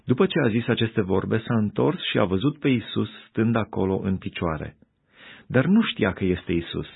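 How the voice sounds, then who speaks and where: Low-voiced husky male scripture reader, steady pace, tinny phone-like sound. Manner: steady, unhurried reading.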